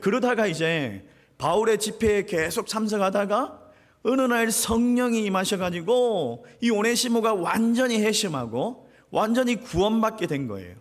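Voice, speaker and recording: Korean pastor preaching, fairly high voice, lots of swing, big church echo. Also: male voice, moderate pace. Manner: storytelling, lively, addresses congregation directly. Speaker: senior pastor. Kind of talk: sermon. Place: church sanctuary. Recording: reverberant church sanctuary.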